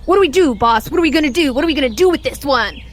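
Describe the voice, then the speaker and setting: Woman putting on an eager, loud, high-pitched turtle henchman. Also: expressive, rapid-fire, a little hiss or hum. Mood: agitated, eager. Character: eager military turtle captain, anxious henchman to the boss.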